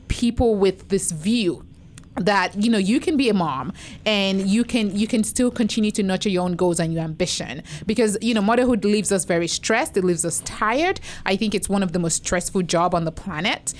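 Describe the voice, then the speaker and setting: A woman's voice: mid-range voice, moderate pace. A woman hosting a podcast, speaking reflectively in long, winding sentences during a casual interview. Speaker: podcast host.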